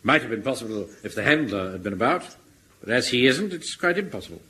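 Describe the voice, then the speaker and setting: An actor playing a pompous, blustering middle-aged captain in a radio comedy. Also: male voice, medium pitch, very animated, quick pace, bright, forceful tone, breathy edge, heavily acted. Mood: exasperated.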